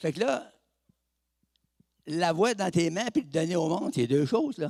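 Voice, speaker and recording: A high-pitched man with a Quebec accent, dark, mellow tone and lively intonation at a moderate pace, in a dry, close sound with no echo. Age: 80s+. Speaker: evangelist preacher. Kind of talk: sermon to a church congregation. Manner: folksy, humorous.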